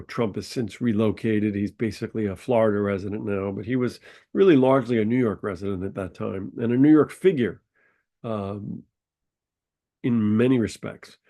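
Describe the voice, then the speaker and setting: A man's voice: on the low side, mellow. A man hosting a podcast, his voice nasal and congested from a sinus infection, telling a story in a rambling, casual way with frequent ums and uhs. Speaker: podcast host.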